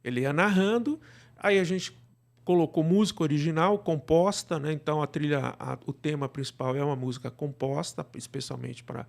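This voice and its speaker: Brazilian man, higher-pitched with some creak. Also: normal speed. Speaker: interview guest, radio drama producer. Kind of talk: conversational interview.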